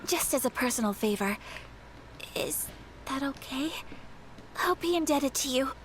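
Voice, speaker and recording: A woman voicing a composed young noble lady who speaks softly and formally, with game music behind. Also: high voice, animated, unhurried, a little hiss or hum. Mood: polite. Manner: soft-spoken, formal, apologetic.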